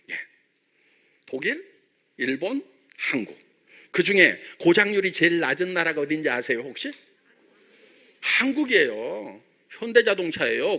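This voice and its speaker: A middle-aged company chairman from Jeolla, South Korea, gives a joking motivational speech on stage to his members, full of rhetorical questions. His voice is on the high side with a sharp tone.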